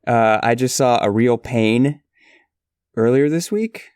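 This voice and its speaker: A man's voice: mid-range voice, slow pace, a little mellow, clear, resonant tone, no room sound. A man co-hosting a podcast, chatting casually with dry, offhand humor. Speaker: podcast co-host. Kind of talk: casual comedic chat.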